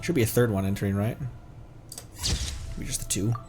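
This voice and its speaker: A man's voice: fairly low pitch, steady tone, a little fast. A man streaming a video game with casual, playful live commentary, reacting and exclaiming as he plays. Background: faint game music.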